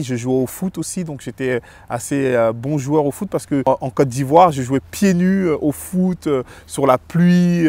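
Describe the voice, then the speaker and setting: Delivered at a fairly slow pace with ordinary pitch variation, the voice has a dry, close sound with no echo. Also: man. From Ivory Coast, then Paris suburbs. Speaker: testimony giver. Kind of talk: testimony. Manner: hesitant, many fillers.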